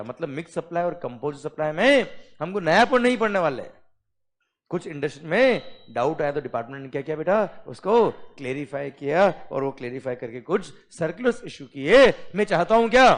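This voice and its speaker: A middle-aged man teaching a classroom of students, lively and constantly checking that they follow. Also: a little high. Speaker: tax lecturer. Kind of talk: classroom lecture in Hindi-English mix.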